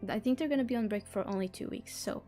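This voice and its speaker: A woman's voice: fairly high pitch, quick pace, warm tone, soft background music. A woman who is not a native English speaker, hosting a casual livestream. She chats, giggles often and stumbles over words while reading a book blurb aloud. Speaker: livestream host.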